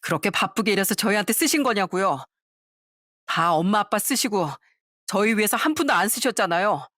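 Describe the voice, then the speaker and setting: A woman's voice: medium pitch, animated, brisk, a bit bright, dry recording. A woman voicing a grown son who reproaches his mother, in a dry recording. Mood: reproachful. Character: resentful adult son confronting his mother.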